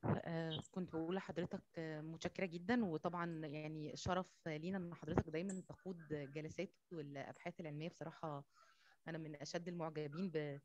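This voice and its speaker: A woman's voice: low voice, steady tone, fast talker, a little mellow, a little hiss or hum. An Egyptian woman co-chairing an academic session over a muffled online call, courteous and conversational, mixing in English terms. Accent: Egyptian Arabic. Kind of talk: polite conversational session moderating. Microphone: online video call.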